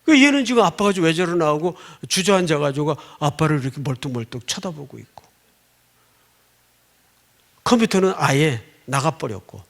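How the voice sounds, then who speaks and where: A middle-aged man delivers a sermon as a story, his voice high and gravelly. He swings from loud outbursts to soft, near-whispered lines, and keeps prompting the congregation for a response. His pitch rises and falls across a lively range. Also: moderate pace. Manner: storytelling with dramatic swings, acting out shouts and whispers. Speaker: pastor.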